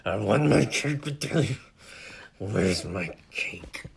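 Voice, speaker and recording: A man voicing a petulant old man in a wheelchair who slowly drawls and shouts his demands. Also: fairly low pitch, expressive, vocal fry, a little hiss or hum, heavily acted. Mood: whining. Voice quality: whiny, shouting. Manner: slow, drawn-out demands. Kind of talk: dramatic story reading.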